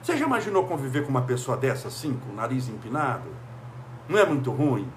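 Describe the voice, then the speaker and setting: A man's voice: mid-range voice, big pitch swings, fast talker, a little hiss or hum. A man from Brazil giving a motivational talk, full of emphatic rhetorical questions. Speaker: speaker.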